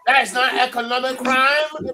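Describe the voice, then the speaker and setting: A man's voice: very high voice, steady tone, normal speed, noisy background. A man from Liberia with a Liberian English accent, a guest in a heated live radio debate who insists and repeats words to hold the floor. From Liberia, Maryland County. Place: radio studio.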